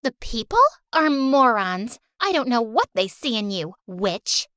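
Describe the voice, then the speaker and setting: A woman voicing a spoiled, jealous teenage girl bully with a shrill, whiny manner. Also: big pitch swings, a little slow, a bit bright, no echo, clean studio sound. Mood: sneering.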